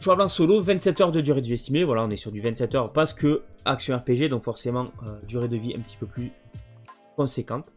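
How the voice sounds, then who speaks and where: A man's voice: medium pitch, animated, fast talker, soft background music. A man casually presenting his video game collection, hesitant and full of fillers. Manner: hesitant, many fillers and restarts.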